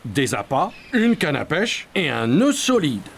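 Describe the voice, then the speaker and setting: A man's voice: a little high, huge pitch swings, measured pace, gravelly, breathy edge, heavily acted. A man playing a kindly, patient grandfather who explains things in a children's cartoon. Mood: patient, teaching. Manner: patient, instructive. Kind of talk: animated children's cartoon dialogue.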